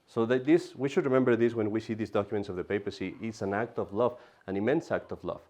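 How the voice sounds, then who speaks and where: A man teaching an adult catechism class in an animated way, often repeating himself and turning aside to talk to the class. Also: lowish voice, fast.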